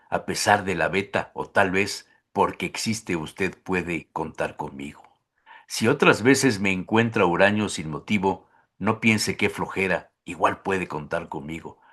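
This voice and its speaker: Low-voiced man reciting poetry softly. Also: husky. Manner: recites poems slowly and softly, dropping low. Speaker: host. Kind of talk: talk show discussion with poetry recitation.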